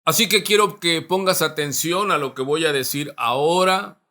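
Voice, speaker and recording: A male pastor from Mexico preaching a sermon in a church, asking the congregation questions and slowing down to stress key words. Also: a little high, bright, forceful tone. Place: church sanctuary.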